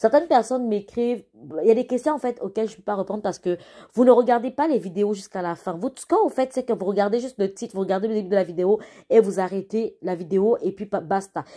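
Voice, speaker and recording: Speaking at a very fast pace, a woman with a fairly high pitch, a dark, mellow tone, ordinary pitch variation, and big swings in loudness comes through on a very clean recording with a silent background. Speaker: YouTuber giving immigration advice. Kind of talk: vlog advice talk.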